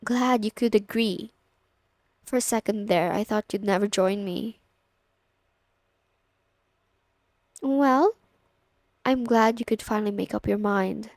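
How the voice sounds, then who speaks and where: A woman's voice: mid-range voice, measured pace, darkish tone, no echo, studio quality, close to an everyday voice. A young woman playing a confident, teasing older sister of a best friend in an intimate, casual ASMR roleplay spoken to the listener. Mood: pleased, teasing.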